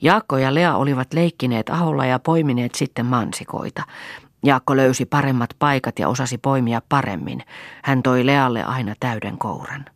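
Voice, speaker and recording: Woman reading an audiobook, calm and measured, soft voice, dry studio sound. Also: very deep voice, no room sound. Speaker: audiobook reader. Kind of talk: scripted literary narration.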